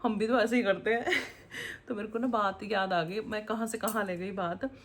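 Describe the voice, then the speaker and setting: At normal speed and with fairly even intonation, a woman of medium pitch chats in a casual home vlog. She's a mother who rambles and laughs often while cooking in her kitchen.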